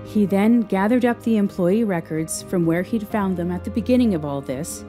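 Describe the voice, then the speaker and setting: A woman narrating a scripted audio drama in a measured, expressive, somber manner. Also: mid-range voice. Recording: music under the voice. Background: instrumental music.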